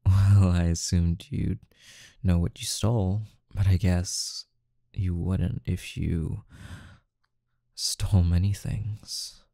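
A man playing a calm, intimidating, teasing mafia boss in an ASMR roleplay, with a menacing yet softly coaxing delivery and deliberate pauses. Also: sits low, gravelly, no echo, studio quality, heavily acted. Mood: calm menace.

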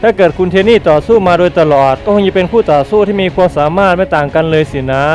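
A man reading a web novel aloud in a plain, steady storytelling manner. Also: high voice, quick pace, soft background music. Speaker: novel reader.

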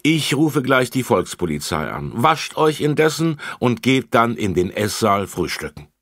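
Man doing a calm, kind children's home director lady. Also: mid-range voice, measured pace, dry recording, clean studio sound, voice pushed up. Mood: firm. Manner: soothing, reassuring. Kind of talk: children's audiobook reading.

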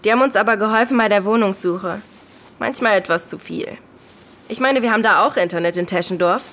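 A woman's voice: medium pitch, a little fast, a bit bright, natural voice. An actress playing an uneasy woman being questioned by police in an audio drama, speaking colloquially and hesitantly. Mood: unguarded. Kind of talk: German radio play dialogue.

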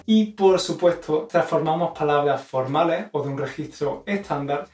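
Expressive Spanish teacher from Spain, roomy sound. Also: male voice, on the high side, moderate pace, recorded from a distance. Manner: expressive, models intonation for learners. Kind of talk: explanatory video lesson.

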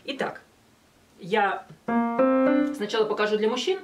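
A woman in her forties teaching as a vocal coach, explaining step by step with hesitant pauses between phrases. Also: mid-range voice, very animated, loud music behind the voice. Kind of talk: instructional talk with short sung demonstrations. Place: small indoor studio with banner backdrop. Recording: voice some distance from mic.

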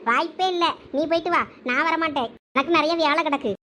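A woman's voice: sits high, brisk, pushed and bright, slight background noise. A woman in a village comedy skit, voicing a lazy young male friend who teases his buddy. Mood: teasing. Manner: teasing, joking.

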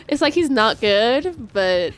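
Girl gamer chatting thru a match, slow talker, swears and laughs lots, bit of background hum. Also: a little high, big pitch swings. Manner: jumpy, swears often, laughs a lot. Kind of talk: casual gameplay commentary.

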